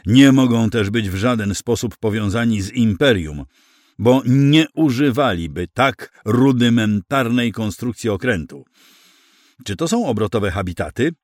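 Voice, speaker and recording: A man's voice: mid-range voice, expressive, unhurried, a little mellow, dry recording, clean studio sound, lightly acted. A man voicing a skeptical senator who speaks in a curt, dismissive way.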